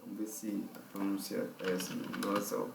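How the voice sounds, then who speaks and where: A man's voice: on the low side, monotone, normal speed, creaky, background noise. A man with a Brazilian Portuguese accent teaching a vocal technique lesson. He explains step by step, thinks aloud and keeps checking in with the listener. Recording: roomy, distant mic.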